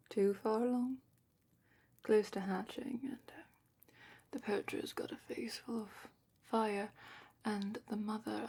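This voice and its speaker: Female performer as dragon expert, ASMR roleplay. Hushed and matter-of-fact, breathy half-whisper with creaky edges, explanatory. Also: medium pitch. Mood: hushed, regretful. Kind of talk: soft-spoken fantasy ASMR roleplay, partly whispered.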